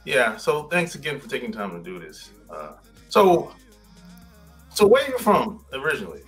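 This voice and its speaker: A man's voice: medium pitch, wildly swooping pitch, normal speed, faint music behind. Male podcast host, conversational delivery. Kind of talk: conversational interview hosting. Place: small home room indoors. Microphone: video call.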